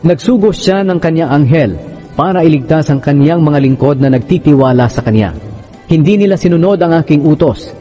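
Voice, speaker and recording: A man performs a proud ancient king in a scripture drama. He speaks in a declamatory, commanding way, lifted in pitch, with faint music underneath. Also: lively intonation, brisk, mellow, close to an everyday voice. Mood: solemn decree.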